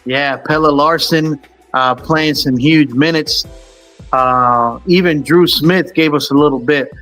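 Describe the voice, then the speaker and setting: A man's voice: fairly high pitch, takes it slowly, fairly bright tone, faint music behind. A man hosting a casual sports talk show, rambling with lots of fillers and restarts. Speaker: sports podcast host.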